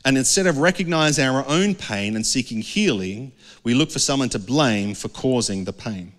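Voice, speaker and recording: Pastor preaching in a reverberant hall. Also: male voice, medium pitch, lively intonation, moderate pace. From Australia. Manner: conversational, earnest, asks the crowd questions. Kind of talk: sermon. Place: dark indoor stage with a couch. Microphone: handheld mic.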